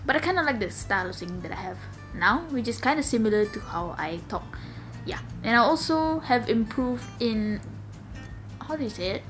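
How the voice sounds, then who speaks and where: A young woman from Malaysia with a slightly raspy, low voice, chatting casually in a sit-down vlog at home, rambling with lots of fillers. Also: lively intonation, normal speed, fairly bright tone, soft background music. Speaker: vlogger. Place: home room.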